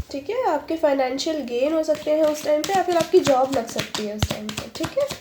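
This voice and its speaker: The speech moves at a moderate pace with lively intonation. Noticeable background noise can be heard. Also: woman. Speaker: tarot reader. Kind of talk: tarot reading to camera. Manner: casual, code-switching Hindi-English.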